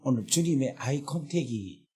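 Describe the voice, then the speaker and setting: A man with a Gyeongsang accent preaching a revival sermon at a prayer retreat, earthy and colloquial, at times breaking into shouts. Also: medium pitch, lively intonation, moderate pace, husky. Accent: Gyeongsang Korean. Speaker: pastor.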